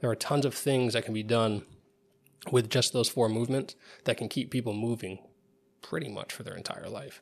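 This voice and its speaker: Talking at a fairly quick pace yet with long, frequent pauses, a man shows ordinary pitch variation. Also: medium pitch for a man, big swings in loudness, very clean recording, silent background. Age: 20s. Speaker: fitness trainer and podcast host. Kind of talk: solo instructional talk. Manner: casual with filler words.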